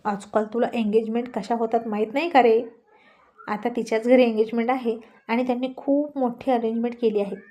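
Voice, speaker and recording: An eager, chatty young man, voiced by a woman narrator, talking brightly. The voice stays close to her own, a little higher. It is a storybook reading. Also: steady tone, brisk, close to an everyday voice. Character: cheerful young brother-in-law, excited groom-to-be.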